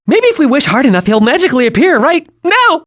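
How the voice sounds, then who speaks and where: An actor playing a hyperactive, childlike young squirrel in an animated video game, excitable and naive. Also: male voice, very high-pitched, fast, full character voice. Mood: cheerful, naive. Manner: excitable, naive, wide-eyed.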